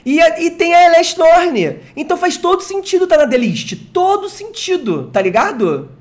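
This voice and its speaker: An excitable, slangy streamer from Brazil opening card packs live, who swears and jokes with chat. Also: very high-pitched, moderate pace. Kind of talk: live unboxing chat with viewers.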